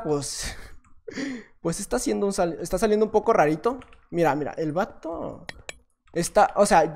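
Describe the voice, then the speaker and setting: A man with a Mexican Spanish accent giving chatty, self-mocking gameplay commentary, with sudden excited shouts. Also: high voice. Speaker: gaming YouTuber.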